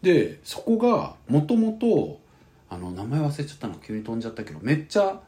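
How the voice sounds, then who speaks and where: A man's voice: mid-range voice, fairly quick. A man with a Kansai accent telling a story in casual podcast chat, acting out the lines of the people in it. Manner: animated storytelling, acting out quoted dialogue. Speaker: podcast co-host.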